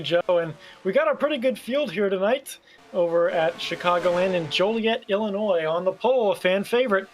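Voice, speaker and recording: A man's voice: high-pitched, slight background noise, rough recording. A man co-commentating an online stock car race broadcast in a sportscaster's delivery. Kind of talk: sports broadcast commentary, reading a starting lineup.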